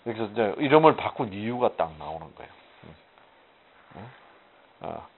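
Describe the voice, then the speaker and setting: A man's voice: lowish voice, sing-song, normal speed, gravelly, breathy edge. A man teaching a casual Bible study, asking rhetorical questions and answering them himself with emphasis. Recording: muffled phone-like audio.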